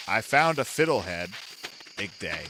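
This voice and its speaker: A man streaming a co-op farming game, chatting casually and joking, sometimes bursting into loud shouts. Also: on the low side, unhurried, poor audio. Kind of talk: casual co-op gaming chat. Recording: steady background noise.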